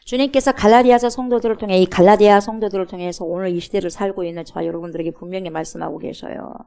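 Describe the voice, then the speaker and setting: A woman pastor preaches emphatically in a church sanctuary, calling out to the congregation, asking many rhetorical questions, and repeating "여러분." Her medium-pitched voice is steady, gravelly, and warm with a clean tone, and she talks rapid-fire.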